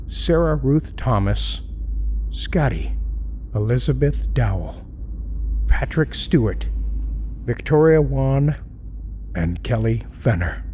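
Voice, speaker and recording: A man hosting a podcast, reading scripted credits and announcements in a measured, deliberate way. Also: mid-range voice, warm tone, slight background noise. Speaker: podcast host.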